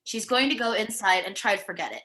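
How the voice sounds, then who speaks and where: A woman's voice: mid-range voice, expressive, fast, pushed and bright, a little hiss or hum. A woman narrating a screenplay, reading out scene headings and stage directions for a table read. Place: remote virtual table read.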